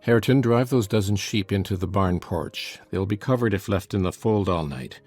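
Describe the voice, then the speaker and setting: A man voicing a grim, sneering middle-aged master of the house, speaking slowly and coldly. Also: on the low side, a little mellow, soft background music, pitched below the performer's own voice, close to an everyday voice. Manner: slow, cold, mocking.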